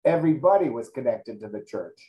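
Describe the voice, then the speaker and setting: A middle-aged man whose first language is Greek, reflecting in an oral history interview, halting and restarting often. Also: medium pitch, animated, highs cut off.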